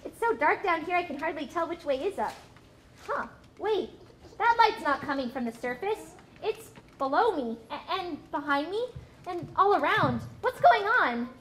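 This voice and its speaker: A woman's voice: very high voice, sing-song, moderate pace, fairly bright tone, slight background noise, heavily acted. A woman voicing a curious, eager young female sperm whale in a live puppet show. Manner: wide-eyed, enthusiastic.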